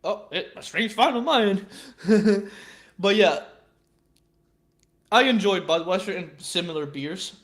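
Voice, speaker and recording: A young man in his twenties rambles through a casual live-stream chat. His voice sits a bit high for a man. He swears freely and keeps tripping over stammered restarts. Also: animated, measured pace, pauses often, a bit bright. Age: 20s.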